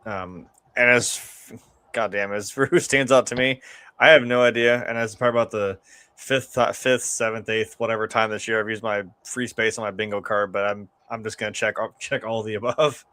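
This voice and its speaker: A man's voice: on the low side, steady tone, normal speed, sharp tone, clear, resonant tone, no echo. A man co-hosting a film review, bantering casually with sardonic, profane jokes.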